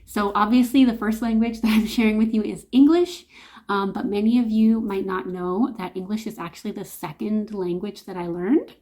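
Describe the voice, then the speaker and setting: A woman's voice: medium pitch, steady tone, normal speed, mellow. A woman with a Canadian accent talking to camera in a casual, chatty, informal vlog style. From Canada, immigrated from Slovakia at five. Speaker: vlogger, host.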